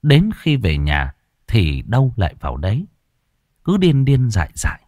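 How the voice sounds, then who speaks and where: A man narrating a ghost story in a lively, dramatic storytelling manner. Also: fairly low pitch, normal speed, no room sound, studio quality.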